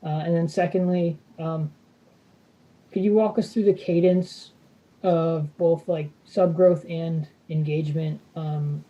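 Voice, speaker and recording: A woman speaking as a financial analyst, asking questions haltingly on a muffled conference call. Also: deep voice, fairly even intonation, dark tone. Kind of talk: hesitant spoken questions.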